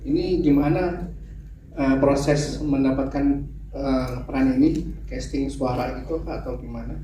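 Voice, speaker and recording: A man's voice: mid-range voice, steady tone, unhurried, dark tone, a little hiss or hum. A man asking a press conference several questions, hesitant and full of fillers. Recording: dull distant echoey audio with ambience.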